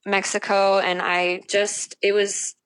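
A woman's voice: mid-range voice, level tone, slow pace, a bit bright, clear, resonant tone, no echo, poor audio. A woman musician who grew up in the Dominican Republic, chatting casually as a guest and laughing often. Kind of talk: casual interview chat.

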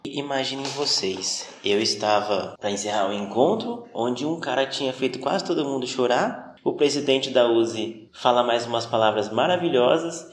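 A man's voice: medium pitch, moderate pace, few pauses. A man from Brazil with an interior São Paulo accent, casually telling a personal story as a listener's voice message. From Ribeirão Preto, Brazil. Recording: roomy, faintly noisy voice message.

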